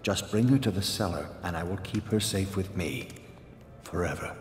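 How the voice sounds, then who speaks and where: Lowish-voiced, guarded aristocratic gentleman played by an actor. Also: moderate pace, close to an everyday voice. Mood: hushed, earnest. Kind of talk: video game voice acting. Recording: echoey hall reverb with music behind.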